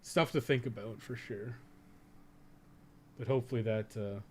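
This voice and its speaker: A man's voice: mid-range voice, steady tone, normal speed, husky. A man doing casual live-stream gaming commentary, thinking aloud in a rambling, slangy way with plenty of swearing and joking. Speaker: game guide streamer and podcast host.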